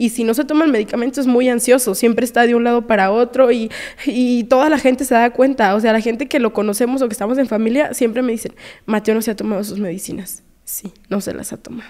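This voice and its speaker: This woman talks at a very fast pace with a high pitch. Her intonation stays fairly even. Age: 20s. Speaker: abuse survivor. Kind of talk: testimony.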